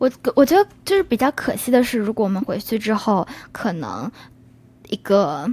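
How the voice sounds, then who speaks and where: A woman's fairly high voice with lively intonation, a moderate pace, long, frequent pauses, and a dry, close sound with no echo. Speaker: podcast co-host, journalism student. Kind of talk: casual chat. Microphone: new microphone.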